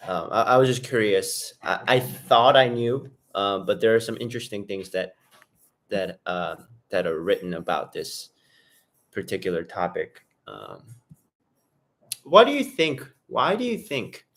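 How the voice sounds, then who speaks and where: A man's voice: fairly low pitch, big pitch swings, a little slow, fairly bright tone. Casual man hosting a live stream. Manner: loose, rambling, talks straight to viewers in chat; eats while talking. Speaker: livestream host.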